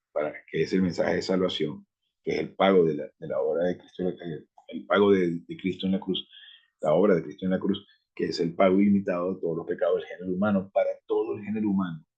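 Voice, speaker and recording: A man's voice: deep voice, fairly even intonation, a little fast, husky, dull audio. A man teaching a Bible study, emphatic as he reads scripture aloud and explains it.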